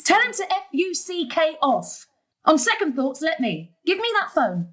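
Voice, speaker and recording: A harried middle-aged woman caring for her family in a stage drama. Her voice is high and swings widely in pitch. She is snappy, emphatic and exasperated. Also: very animated, moderate pace, fairly bright tone. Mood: fed up. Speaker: stage actor. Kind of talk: dramatic dialogue in a play.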